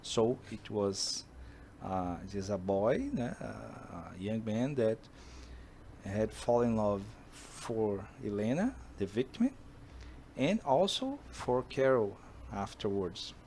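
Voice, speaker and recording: A man from Brazil with a Brazilian Portuguese accent, a Portuguese speaker talking in English to camera, pitching a film based on his own books and pausing often to search for words. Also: expressive, a little mellow, a little hiss or hum. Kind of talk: casual monologue to camera.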